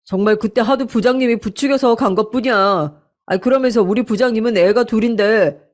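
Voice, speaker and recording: A woman's voice: fairly high pitch, brisk, natural voice. A woman voicing a defensive, blustering young husband in a radio-style story, irritable and brushing off accusations. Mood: defensive angry.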